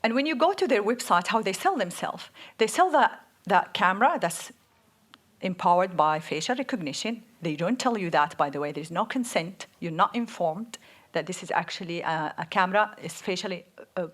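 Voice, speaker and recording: A woman with an Arabic accent, co-hosting a live podcast on stage, speaking in an energetic, outspoken way and laughing often. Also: fairly low pitch, moderate pace. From Saudi Arabia. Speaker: podcast co-host. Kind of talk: live podcast panel talk.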